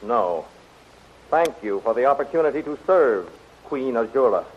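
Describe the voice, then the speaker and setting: A man's voice: medium pitch, expressive, normal speed, lightly acted. Man playing captive guard, short wary questions, 30s radio serial, muffled w/ light noise. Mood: disbelieving, guarded. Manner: terse, questioning. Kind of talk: 1930s radio serial acting. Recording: muffled, noisy 1930s radio recording.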